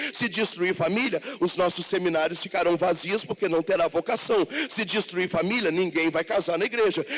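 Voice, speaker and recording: Over noticeable background noise, a man with a high pitch speaks in an animated tone at very even loudness with hardly any pauses. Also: moderate pace. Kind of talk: sermon.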